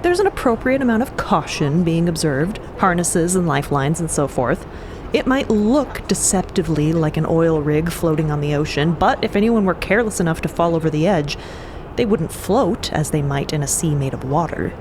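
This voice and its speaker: A woman narrating a scripted story in a conversational way, with clear ambient noise behind her. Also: deep voice, expressive, normal speed.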